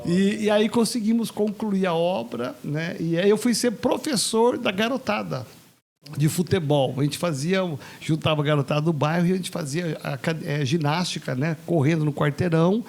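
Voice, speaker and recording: A man's voice: high-pitched, normal speed, gravelly. An older man, a pastor from Brazil, telling a long story in casual chat and acting out the voices of the people in it. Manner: animated anecdote teller, acts out quoted voices.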